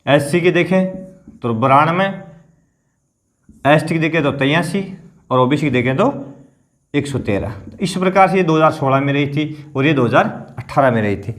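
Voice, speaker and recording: A male coaching teacher with a sore throat, clearing his throat as he explains a lesson slowly and repeats the figures. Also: fairly high pitch, expressive. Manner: explains slowly, repeats figures, keeps asking "theek hai na".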